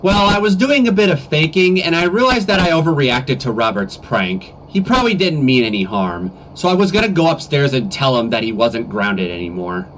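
A man's voice: a little high, sing-song, moderate pace, hardly any pauses, a bit bright, pitched below the performer's own voice. Man playing a stern cartoon dad, muffled mic. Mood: regretful. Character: stern, easily exasperated father. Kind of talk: amateur comedy animation voice-over. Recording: muffled, noisy cheap webcam mic.

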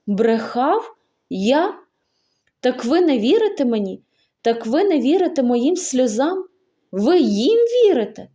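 A woman's voice: sits high, very animated, slow pace, dark tone, pitched above the performer's own voice, exaggerated voice. Woman doing a desperate pleading young man. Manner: pleading, raised and insistent.

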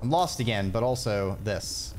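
A man's voice: on the low side, animated, moderate pace, a little mellow, a little hiss or hum, poor audio. A man livestreaming a video game with casual, rambling, hesitant commentary.

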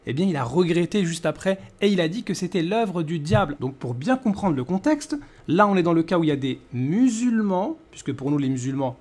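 Higher-voiced man, mocking video commentator. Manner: mocking, animated rhetorical questioning. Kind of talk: conversational rebuttal commentary to camera.

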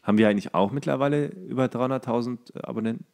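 A man's voice: mid-range voice, racing, gravelly, darkish tone. A man co-hosting a podcast in casual comedic chat, tipsy and tired, rambling and jokey as he goes. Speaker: podcast co-host.

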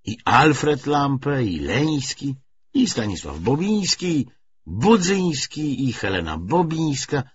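A man voicing a brisk, wry, self-assured young communist woman in an audiobook novel, talkative with a feigned lightness. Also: mid-range voice, big pitch swings, lo-fi sound, a little hiss or hum, voice pushed up. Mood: wry, eager.

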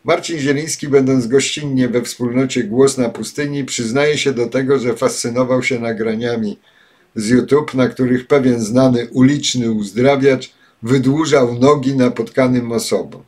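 An older man giving spoken commentary and reading passages aloud, pausing often with filler sounds, recorded at a desk webcam in a home study. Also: medium pitch, fairly even intonation, a little mellow. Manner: halting, many filler sounds. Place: home study with bookshelves, indoors.

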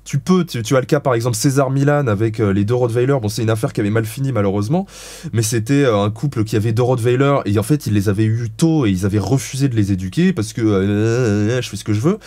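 A man's voice: medium pitch, quick pace, dark tone, dry recording. A man giving dog-training advice as an interview guest, explaining in a frank, blunt way with casual swearing.

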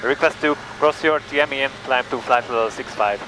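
A young man talks through his flight from the cockpit of a small plane, calm and methodical. His headset mic picks up a steady engine drone behind him. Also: medium pitch, a little fast, background noise. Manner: calm, methodical, reads back clearances. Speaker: private pilot. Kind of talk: cockpit narration and radio calls. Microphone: headset boom mic.

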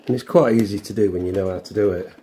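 A middle-aged man giving a casual hands-on tutorial, halting and thinking aloud as he works in a room at home. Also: fairly low pitch, warm tone, slight background noise. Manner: halting, unscripted, thinking aloud while working. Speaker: vlogger demonstrating a helmet intercom fitting.

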